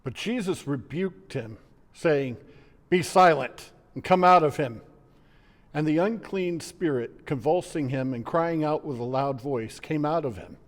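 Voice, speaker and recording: Pastor in a reverberant church. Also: male voice, on the high side, a little slow. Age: middle-aged. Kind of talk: expressive gospel reading. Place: church sanctuary.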